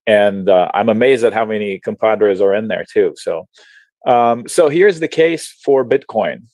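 A man from Lebanon, an options trading educator, explaining charts on a video call in a chatty, animated way with slang and frequent restarts. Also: fairly low pitch, measured pace, no room sound. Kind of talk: casual webinar explanation while sharing charts.

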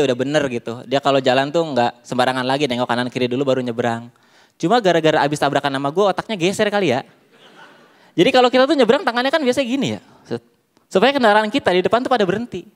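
High-pitched young male stand-up comedian. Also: fast talker. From Bogor, Indonesia. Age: young adult. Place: large theatre stage before an audience. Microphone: handheld microphone.

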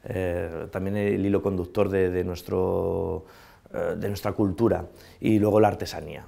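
A man's voice: low-pitched, vocal fry, a little mellow. A chef in his thirties talking enthusiastically in an interview, on a lapel mic. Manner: enthusiastic, nostalgic. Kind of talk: interview talk.

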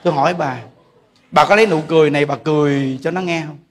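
A man's voice: fairly high pitch, steady tone, fast. A man with a Southern Vietnamese accent, a Buddhist monk giving a humorous dharma talk, laughing often and speaking straight to his audience. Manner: jokey, laughing, addresses audience directly.

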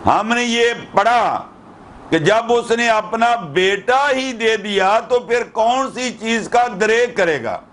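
A man's voice: very high voice, takes it slowly, a bit bright, a little hiss or hum. A middle-aged male pastor, preaching fervently with repeated hallelujahs, on a headset mic indoors. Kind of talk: sermon. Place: indoor room with curtains.

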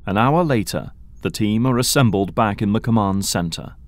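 A man's voice: lowish voice, lively intonation, moderate pace, slight background noise. A man giving dramatic scripted narration for an audio drama.

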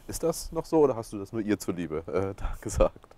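Low-pitched man interviewing casually. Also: big pitch swings, brisk, warm tone. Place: open-air terrace by a training pitch. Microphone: lapel mic.

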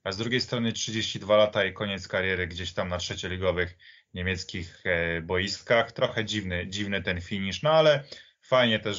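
A man talking reflectively and haltingly about sport in a conversational podcast style. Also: low-pitched, a bit bright, dull audio. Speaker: podcast speaker.

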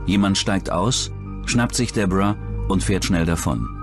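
A man narrates a true-crime documentary in a low voice. His scripted reading sits over a clearly audible music bed. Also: measured pace.

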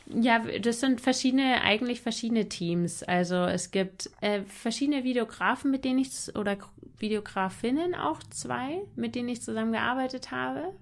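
A woman's voice: a little high, normal speed. A woman talking casually and enthusiastically as a musician guest in a podcast interview, in informal language.

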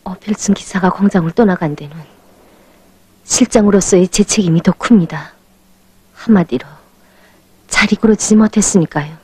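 North Korean female lab chief, husky, dry sound, earnest and formal, film drama. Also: medium pitch, normal speed, long pauses, mellow, no room sound. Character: earnest female laboratory chief defending a colleague.

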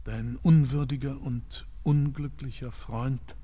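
An actor playing an earnest, commanding gentleman, worried for his friend, speaking formally and gravely in a radio play. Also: mid-range voice, fairly even intonation, takes it slowly. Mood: solemn.

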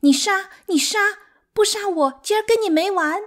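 A woman voicing a hysterical, defiant younger concubine in an audiobook, shrill and wailing with grievance. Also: moderate pace. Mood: hysterical, daring. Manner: wailing, taunting. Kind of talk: dramatic audiobook character acting.

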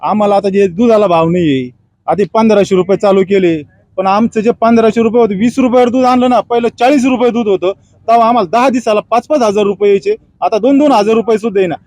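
High-voiced man complaining in street interview. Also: fast, a little mellow, dry recording. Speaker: villager interviewed.

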